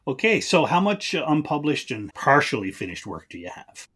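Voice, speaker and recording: A man's voice: fairly high pitch, very animated, moderate pace, fairly bright tone, husky. A man hosting a casual podcast interview in an informal way, often interjecting. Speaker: podcast host.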